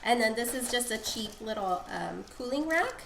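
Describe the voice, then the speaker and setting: A woman streamer with a higher voice, sounding stuffed-up and nasal from a lingering cold. She explains her crafting steps in a chatty, meandering way. The room is echoey, with a faint hiss behind her. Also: lively intonation, normal speed, vocal fry. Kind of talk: casual live-stream dyeing tutorial.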